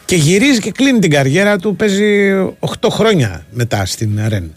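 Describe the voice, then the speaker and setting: A man co-hosting a sports radio show in a studio, talking casually and thinking aloud with hesitant pauses. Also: sits high, sing-song, breathy edge, no room sound. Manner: thinking aloud, hesitant, many fillers and restarts. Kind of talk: casual chat.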